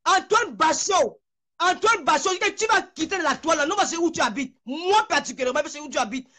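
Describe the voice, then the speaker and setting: A woman's voice: high-pitched, expressive, fast, fairly bright tone. A woman in a heated online video rant, furious and shaking with anger, hurling insults and stammering over repeated words. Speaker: social media personality.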